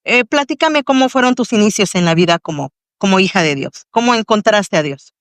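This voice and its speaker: A woman with a Mexican accent hosting a Christian testimony podcast, greeting listeners warmly and asking her guest questions. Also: medium pitch, expressive, brisk, no room sound. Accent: Mexican Spanish. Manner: warm, devout welcoming address to the audience. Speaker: podcast host. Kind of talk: faith testimony interview.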